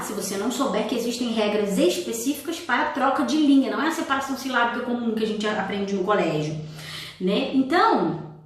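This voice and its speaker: A woman teaching a writing class on a casual livestream, chatty, with exasperated asides and mock quotes of her students. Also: fairly high pitch. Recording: echoey room, distant from the mic.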